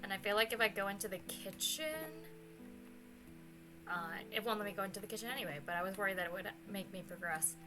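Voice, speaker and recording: A woman's voice: mid-range voice, steady tone, quick pace. A woman hosting a game video, switching between reading narration aloud and playful casual commentary. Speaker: gaming video host. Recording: background music under the voice.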